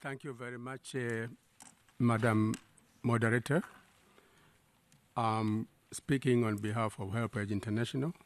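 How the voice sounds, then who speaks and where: A man's voice: medium pitch, fairly even intonation, a little slow, pauses often. A man from Tanzania speaking for an NGO, asking the panel a formal question with hesitant fillers. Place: conference hall.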